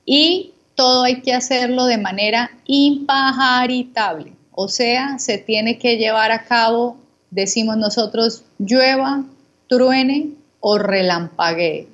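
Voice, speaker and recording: A Colombian woman, a guest teacher, calmly contrasting words and giving examples for Spanish learners. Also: a little high, highs cut off. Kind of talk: slow didactic conversation for learners.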